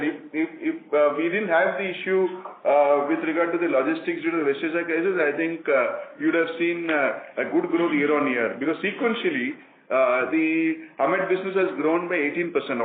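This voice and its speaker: A man with an Indian accent answering investor questions as a company executive on an earnings call, in a measured, explanatory way, often saying okay. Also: fairly high pitch. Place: conference call line. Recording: roomy, noisy, narrow phone-like conference line.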